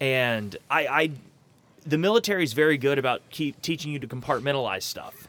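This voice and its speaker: A man with a plain, everyday voice, a fairly high pitch and ordinary pitch variation. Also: moderate pace. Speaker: podcast co-host. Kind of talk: casual podcast conversation.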